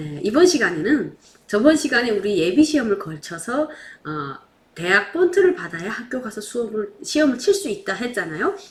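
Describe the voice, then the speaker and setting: A woman's animated tone with fairly high pitch, very wide pitch swings, big swings in loudness and a moderate pace. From North Korea. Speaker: YouTuber, North Korean defector. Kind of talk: casual talk to camera.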